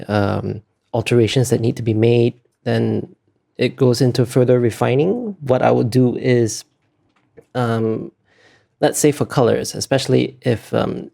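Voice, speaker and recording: This is a man being interviewed, explaining things casually. His voice is on the low side and mellow, with a strong vocal fry. He speaks haltingly, often pausing to find the next phrase. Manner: hesitant, halting, with frequent pauses and fillers. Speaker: interview guest, visual artist.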